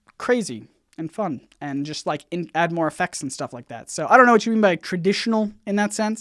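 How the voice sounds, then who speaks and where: A loud, energetic voice moves at a moderate pace with very wide pitch swings. The recording is very clean, with a silent background. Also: woman. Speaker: YouTube comics channel host. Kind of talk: livestream chat answering viewer questions. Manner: casual with many fillers.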